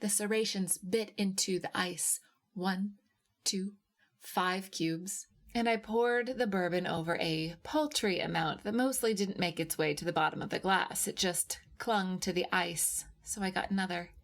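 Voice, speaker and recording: A woman narrating a first-person literary short story in a measured, expressive way with deliberate pauses. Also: on the low side.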